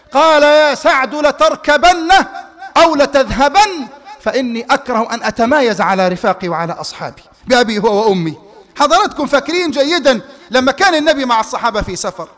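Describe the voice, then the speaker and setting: A man giving a Friday sermon in a mosque in colloquial Egyptian Arabic, swinging between loud emphatic peaks and soft asides. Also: very high-pitched. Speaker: preacher. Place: mosque hall. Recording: reverberant mosque hall livestream.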